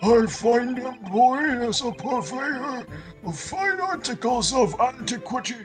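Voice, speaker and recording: Man putting on a fussy old shopkeeper voice, pompous, long-winded, raised pitch, game music behind. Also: animated, takes it slowly, full character voice, low-quality recording. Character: pompous elderly male antique dealer.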